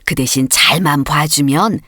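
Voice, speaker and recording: A woman acts out a kindly old grandmother in a folk tale. The pitch sits clearly lower, as an elderly storybook character. The recording is close and dry. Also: a little slow, bright, forceful tone, no room sound, heavily acted. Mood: coaxing.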